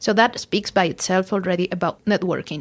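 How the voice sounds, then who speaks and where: The speaker talks in a Spanish accent on a very clean recording with a silent background. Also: woman. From Mexico. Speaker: environmental engineer and company founder. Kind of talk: interview.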